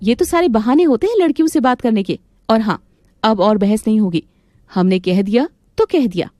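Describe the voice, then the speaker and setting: A woman's voice: on the high side, lively intonation, moderate pace, warm tone, dry recording, lightly acted. A woman voicing a hot-tempered young wife in a cartoon, scolding and commanding.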